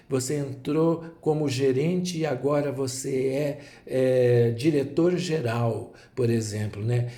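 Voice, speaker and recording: Brazilian guy rambling about lenormand cards, mellow dark voice, keeps tossing in asides. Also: medium pitch. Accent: Brazilian Portuguese. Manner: digressive, many asides and rhetorical "né?". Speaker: tarot reader. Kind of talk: explaining Lenormand cards to camera.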